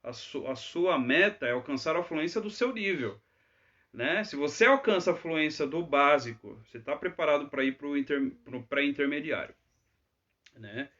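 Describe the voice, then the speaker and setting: Male English teacher, fairly high voice, chatty live Q&A style, muffled lo-fi stream audio. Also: lively intonation, moderate pace, a bit bright. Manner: chatty, frequent tag questions. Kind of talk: live Q&A lesson.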